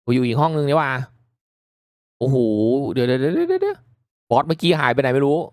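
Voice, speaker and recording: A man's voice: medium pitch, quick pace, dry recording, studio quality. Casual man doing game commentary. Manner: excitable, reactive exclamations, polite particles to viewers. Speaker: gaming video host.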